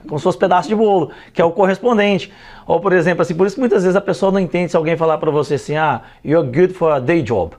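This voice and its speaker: A man's voice: high voice, steady tone, racing, a little mellow. A man, a language school founder, explains his teaching method in a studio interview, repeating words for emphasis. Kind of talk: studio talk show interview.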